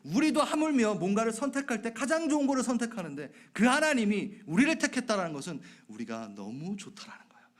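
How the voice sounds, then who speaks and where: Speaking in an extremely high pitch, this pastor is very animated, moving quickly with few pauses through his sermon in a church sanctuary. He addresses the congregation conversationally, quizzes them, and shifts between loud emphasis and soft whispers.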